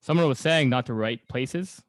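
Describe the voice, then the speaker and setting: A man's voice: mid-range voice, moderate pace. A man co-hosting a podcast, asking casual, rambling questions in an informal way. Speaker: podcast co-host. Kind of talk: casual conversational interviewing.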